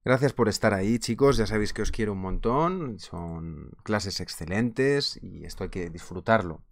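A man's voice: lowish voice, normal speed, creaky. Chatty Spanish-accented man teaching online. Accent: Spain Spanish. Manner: chatty and animated, laughing often, gesturing with hands. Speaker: trading instructor. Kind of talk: casual live webinar teaching. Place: small office indoors.

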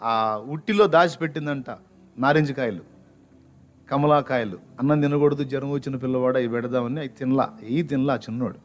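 A male pastor telling a story in his sermon, swinging between loud outbursts and hushed lows. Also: a little fast. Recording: faint background music.

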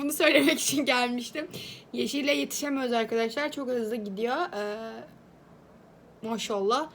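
A woman with a high, light voice chats to her viewers about the book she is reading. She talks in a lively, expressive way and addresses them like friends. A faint hiss sits under the recording. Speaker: book vlogger. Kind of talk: casual reading-marathon vlog.

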